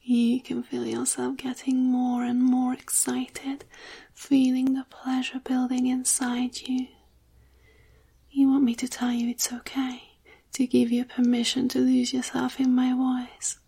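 A woman giving an intimate erotic ASMR monologue in a breathy whisper, with slow, sultry, pausing delivery. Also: sits high, monotone, warm tone. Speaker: erotic audio performer.

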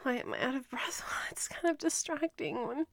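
A woman voicing a proud, resentful young female starship ensign, speaking in a breathy, often whispered voice and stammering as she pleads. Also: high voice, a little fast, no room sound. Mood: flustered. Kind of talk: audio roleplay acting.

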